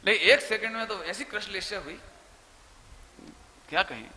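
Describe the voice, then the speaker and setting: A man's voice: high-pitched, normal speed, bright, forceful tone, big-room sound, slight background noise. A man giving a religious question-and-answer talk as a Jain preacher, explaining patiently and drawing out chanted syllables. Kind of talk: religious Q&A discourse.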